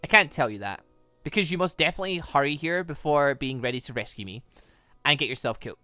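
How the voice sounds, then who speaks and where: A game streamer voicing a calm, teasing ghostly mother from a visual novel, with a playful, reassuring manner. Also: medium pitch, fast talker, dry recording, faint music behind, pitched below the performer's own voice.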